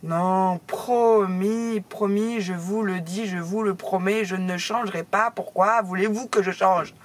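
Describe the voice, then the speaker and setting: A middle-aged woman chatting casually to her viewers as she opens fan mail, talkative and quick to laugh. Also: mid-range voice, fairly even intonation, a little hiss or hum. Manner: chatty, laughs often, exclaims. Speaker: craft YouTuber opening fan mail. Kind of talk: casual chat to camera.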